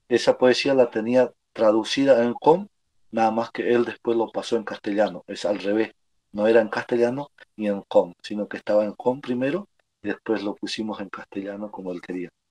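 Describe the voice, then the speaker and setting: With an Argentine accent, a man speaks at a moderate pace and medium pitch, his dark, mellow tone showing big swings in loudness and ordinary pitch variation over a dry, close sound with no echo. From Chaco, Argentina (Qom community). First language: Qom (speaking Spanish). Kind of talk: panel talk. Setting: book fair panel. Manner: halting, many fillers.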